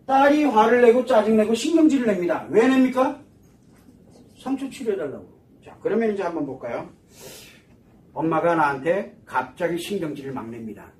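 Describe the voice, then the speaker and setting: A man giving a psychology lecture to an audience, animated and full of rhetorical questions. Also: high voice, moderate pace. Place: lecture hall. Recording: echoey room from far off.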